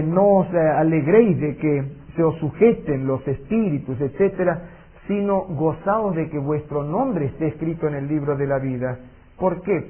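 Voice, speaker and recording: A man teaching a Bible seminar, earnest and emphatic, slowing down for solemn warnings. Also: sits high, breathy edge. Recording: tinny lo-fi audio recording.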